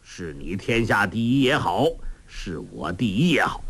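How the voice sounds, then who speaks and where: A man's voice: on the low side, sing-song, unhurried, fairly bright tone, slightly rough, voice pushed down, heavily acted. A man voicing a jovial old beggar master. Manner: hearty, teasing, chuckling.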